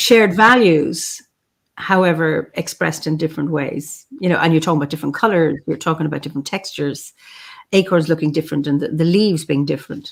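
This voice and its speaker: A woman's very deep, low-pitched voice in an Irish accent at a very fast pace, on a very clean recording with a silent background. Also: ordinary pitch variation. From Ireland. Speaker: head of a druid order, chat host. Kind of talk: interview conversation.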